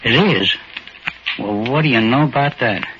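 A man's voice: mid-range voice, normal speed, lightly acted. An actor playing a humble, down-on-his-luck man who is shy and grateful. He stammers and speaks politely, in 1940s radio acting. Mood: earnest. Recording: dull lo-fi old radio recording with hiss.

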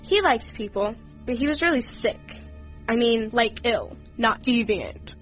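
A snarky teenage girl, played by a woman with a high voice, full of slang and eye-rolling asides. The audio is slightly muffled and lo-fi, with faint music underneath. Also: expressive, measured pace. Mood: sarcastic. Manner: sarcastic, slangy, rambling. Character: sarcastic, flippant teenage girl witness. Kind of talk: audio drama acting.

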